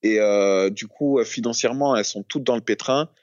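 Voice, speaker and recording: A man in casual chat, telling a story in a halting, slangy way with many fillers. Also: medium pitch, a little mellow, no echo, dull audio.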